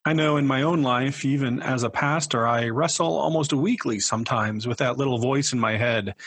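A man who is a pastor, hosting a podcast in a measured, earnest way. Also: mid-range voice, a bit bright, breathy edge, no room sound.

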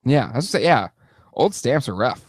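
A man's voice: medium pitch, very animated, brisk, no echo, clean studio sound. A man co-hosting a casual podcast, trading jokes and teasing banter. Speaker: podcast co-host. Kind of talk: casual chat.

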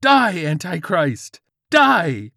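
Fanatical young male janitor, done by a male reader, story character: frantic, raised pitch, high-strung holy-war declamation. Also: expressive, slow, sharp tone, dry recording, studio quality, full character voice. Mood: furious.

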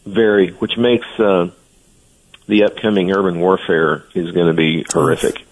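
A man's voice: sits low, fairly even intonation, normal speed, low-quality recording. A man speaking as a guest on a radio interview, giving earnest, blunt opinions. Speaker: guest commentator.

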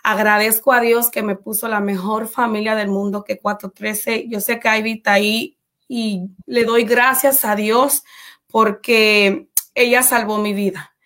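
A woman's voice: medium pitch, flat delivery, fairly bright tone. A woman coach speaking in an interview with fervent, religious conviction. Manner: fervent, religious, quick-talking. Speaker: guest coach. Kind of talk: casual interview testimony.

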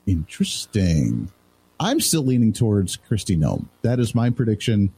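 A man's voice: mid-range voice, very animated, normal speed, warm tone, breathy edge. A man sitting in as a talk radio host, chatting loosely and laughing easily with his co-host. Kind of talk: casual talk radio chat.

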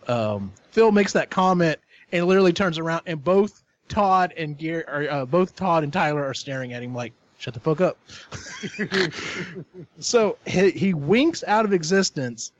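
A man in casual podcast chat who retells a story in an animated way and swears freely. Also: on the high side. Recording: dull lo-fi recording.

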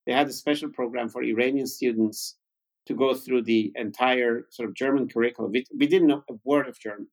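A man's voice: medium pitch, fairly even intonation, a little fast, darkish tone, poor audio. A man in his fifties from Iran, a native Farsi speaker, telling his story conversationally as an interview guest. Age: 50s. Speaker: interview guest, tech founder.

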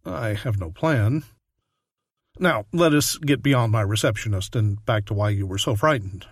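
An actor playing a calm, patient psychiatrist speaking in a soothing, measured, clinical way in a comic radio play. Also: male voice, fairly low pitch, breathy edge, dry recording, clean studio sound.

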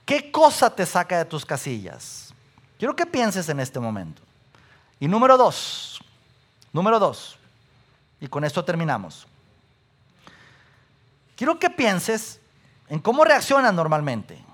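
Brief: pastor, high, bright voice, lively preaching that fires questions at the congregation. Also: male voice, unhurried, long pauses. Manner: animated, asks the audience questions, repeats lists. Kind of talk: sermon.

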